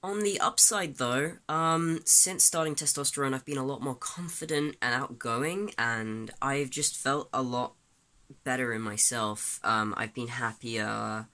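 Young trans man, gravelly candid ramble. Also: mid-range voice, measured pace, pushed and bright. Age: late teens. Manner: candid, rambling, many fillers and restarts. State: groggy, just woken up. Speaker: vlogger. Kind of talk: casual personal vlog ramble. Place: small bedroom, then a desk in a bedroom, indoors. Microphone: phone or webcam at arm's length.

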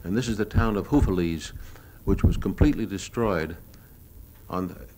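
A low-pitched American man talks through his old home movies in a matter-of-fact, unscripted way. He reminisces hesitantly, like a cameraman explaining his shots. The old live recording has light background noise. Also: normal speed, mellow, rough recording. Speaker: newsreel cameraman.

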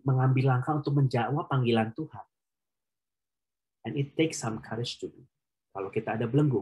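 Casual preaching man, mid-pitched voice. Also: narrow, tinny audio. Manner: conversational, mixes English phrases into preaching. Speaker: prayer meeting speaker. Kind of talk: casual sermon.

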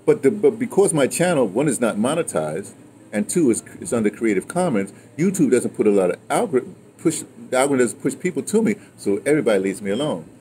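Speaking in a mellow, mid-range voice that's very animated and brisk, this American man in his 60s or 70s shares his past as an interviewer and former radio dramatist. His conversational storytelling is emphatic and wanders off track, with frequent repetition. The setting is a patio table, with loud outdoor restaurant noise around him.

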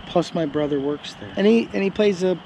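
A middle-aged man talks in a blunt, storytelling way from a camp chair in a yard. The camera sits a few meters off, so the sound is open and outdoorsy. Steady background noise runs under his voice. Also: sits high, brisk, vocal fry. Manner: blunt, storytelling, animated when recounting. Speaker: homesteading vlogger. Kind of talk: casual chat. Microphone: camera a few meters away. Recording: noisy outdoor camera audio.

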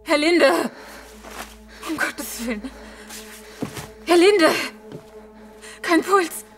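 A woman's voice: very high-pitched, expressive, very slow, full character voice. A woman playing an urgent, commanding police officer in an audio drama. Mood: alarmed. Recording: music behind the voice.

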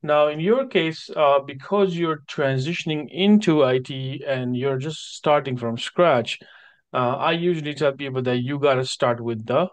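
A man with a medium-pitched voice talks as a career coach on an online call. He is casual and affirming, giving advice in a conversational way. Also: a little slow. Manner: encouraging, affirming.

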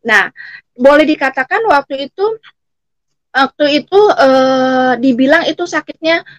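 A woman, giving a personal testimony haltingly, repeating words and breaking off mid-word. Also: high-pitched, fairly bright tone, no room sound. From Selat Panjang, Riau, Indonesia. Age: late 40s. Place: indoor room, seated, on a video call.

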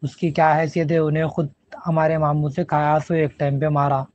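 Flat-toned Hyderabadi man, muffled recording. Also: on the high side, moderate pace, dry recording.

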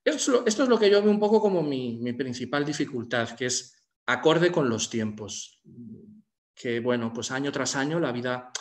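A man's voice: mid-range voice, lively intonation, normal speed. Male monk, fifties, Spain accent. Mid-range voice, reflective explanation, repeats phrases for emphasis. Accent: Spanish from Spain. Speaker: Buddhist monk speaking on a panel. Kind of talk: reflective informal talk. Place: room indoors. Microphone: computer mic on video call.

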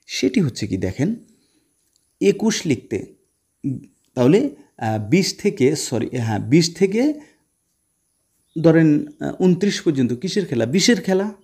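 A man from Bangladesh teaches a casual video lesson in a mellow, husky voice. He explains step by step, asking questions and answering them himself, and drops English phrases in between. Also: fairly high pitch, sing-song, a little slow, pauses often. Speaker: Arabic language teacher.

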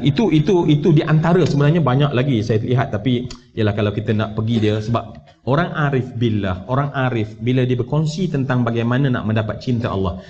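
Animated Malaysian man teaching in a mosque. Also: medium pitch. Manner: animated, conversational, asks the audience questions and mixes in English words. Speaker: religious teacher giving a Quran commentary class. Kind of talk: mosque lecture. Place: large mosque hall. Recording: dull livestream audio from a mosque.

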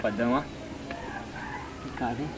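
A man's voice: mid-range voice, a little slow, a crowd in the background. A Brazilian man chatting casually while filming outdoors on a camcorder, heard on old worn home-video tape. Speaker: amateur camera operator filming family. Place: outdoors in a rural yard. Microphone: camcorder microphone.

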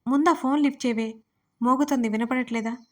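Woman reading a young man, bossy, teasing, blunt, audio story, high and flat voice. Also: fast, natural voice.

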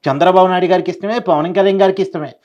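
Fast-talking man, emphatic political commentator. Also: high voice, fairly even intonation, darkish tone, dull audio. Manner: emphatic, repeats phrases and asks rhetorical questions. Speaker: political editor giving analysis. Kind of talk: live news discussion, unscripted explanation.

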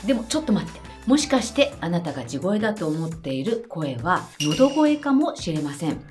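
A woman vocal coach giving a friendly, lively singing lesson and explaining voice types clearly. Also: on the low side, moderate pace, over music.

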